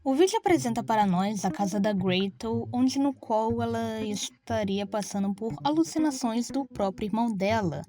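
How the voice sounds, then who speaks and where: A woman's voice: on the high side, animated, moderate pace, few pauses, dark tone. Brazilian woman narrating a horror recap. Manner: informal, slangy, with swearing. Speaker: YouTube commentator. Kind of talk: casual recap narration of an animated horror series.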